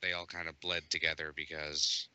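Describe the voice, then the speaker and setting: A man's voice: extremely low pitch, little pitch movement, moderate pace, sharp tone, clean tone, dry recording. A man co-hosting a casual game podcast, explaining things matter-of-factly. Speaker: podcast co-host. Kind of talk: casual chat.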